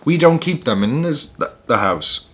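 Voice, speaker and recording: A man's voice: on the high side, lively intonation, normal speed, fairly bright tone, pitched above the performer's own voice. Guy doing a grumpy boorish middle aged dad from a storybook, dismissive and snappy. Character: Mr. Wormwood, boorish, irritable middle-aged father. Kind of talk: storybook read-aloud character voice.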